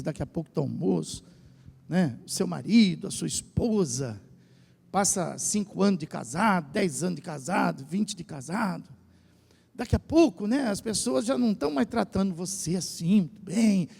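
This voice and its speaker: A Brazilian man with a São Paulo accent preaching a lively sermon as pastor, drawing the congregation into call and response. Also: high-pitched, vocal fry, slightly rough. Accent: Brazilian Portuguese, São Paulo state. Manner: animated preaching, asks the congregation to repeat phrases. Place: church hall. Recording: church hall with long reverb.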